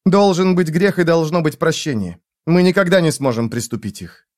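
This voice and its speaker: A man reading an audiobook, voicing an earnest young woman who speaks slowly and seriously. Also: sits high, expressive, no room sound, studio quality. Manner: slow, earnest.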